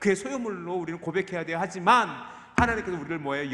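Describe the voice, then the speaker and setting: A man talks very fast with a high voice and very wide pitch swings. Noticeable background noise runs under him. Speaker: pastor. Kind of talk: sermon. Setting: church.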